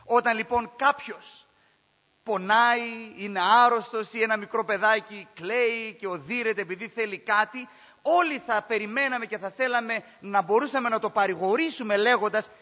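Man, preacher, high voice, emphatic sermon, repeats key phrases, rhetorical questions, dull lo-fi recording. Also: sharp tone, in a large hall.

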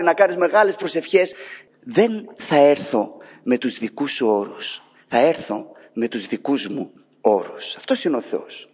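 A man preaching a sermon with dramatic swings, rising sharply when he voices cries and dropping low and soft for replies. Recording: long hall reverb.

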